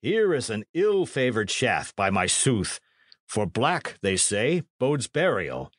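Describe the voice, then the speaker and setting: A man voicing a gruff, uneasy middle-aged male retainer with brusque, old-fashioned speech. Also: mid-range voice, huge pitch swings, takes it slowly, dry recording, studio quality, heavily acted. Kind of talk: audiobook character voice.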